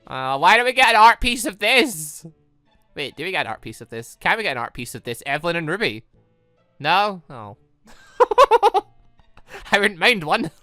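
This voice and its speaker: A woman giving excitable, giggly let's play commentary as a gaming channel host. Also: fairly low pitch, moderate pace, long pauses, no room sound, soft background music. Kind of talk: let's play commentary with read-aloud dialogue.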